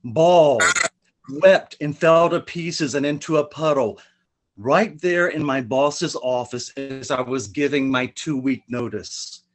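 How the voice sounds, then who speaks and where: A man reads his own prose poem aloud at a virtual reading, his voice sitting a little high. His delivery is expressive and theatrical, rising and falling through the lines. The sound has the feel of a video call. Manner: expressive dramatic reading, pitch rises and falls. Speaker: poet reading his work.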